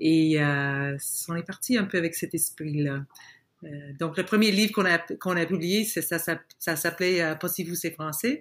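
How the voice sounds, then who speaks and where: A woman with an English accent speaks at a moderate pace in a fairly low voice with ordinary pitch variation, on a very clean recording with a silent background. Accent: English-speaking accent in French. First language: English (speaking French). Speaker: journalist and author. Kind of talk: interview. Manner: halting, many repetitions and fillers.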